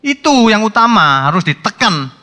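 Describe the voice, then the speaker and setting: A male pastor preaching a sermon in a conversational, colloquial way, breaking into sudden animated outbursts. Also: high-pitched, moderate pace. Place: church hall. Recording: long hall reverb with faint music.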